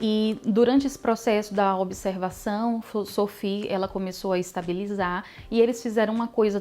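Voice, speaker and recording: Spoken at a moderate pace with a Brazilian accent, the voice has a dark, mellow tone and ordinary pitch variation. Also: woman. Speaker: vlogger. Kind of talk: personal storytelling vlog. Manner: casual, conversational.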